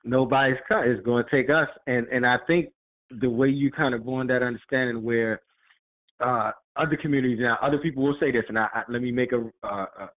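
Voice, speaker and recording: A man's voice: mid-range voice, steady tone, fast. A man co-hosting a casual political discussion, speaking bluntly and plainly. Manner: blunt, plain-spoken, agreeing with short interjections. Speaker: podcast co-host. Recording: tinny phone-line sound.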